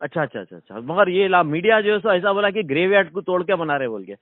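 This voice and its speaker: A man's voice: sits high, very animated, fast talker, no room sound. A man with a Hyderabadi accent making a deferential request in an informal recorded phone call. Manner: deferential, repeating short acknowledgments. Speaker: community caller petitioning a minister. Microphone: phone line.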